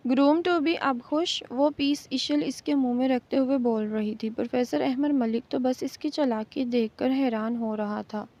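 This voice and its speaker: A woman narrating a romance novel in a steady reading voice, on a muffled lo-fi recording. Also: a little high, few pauses. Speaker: novel reader. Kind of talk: scripted audiobook narration.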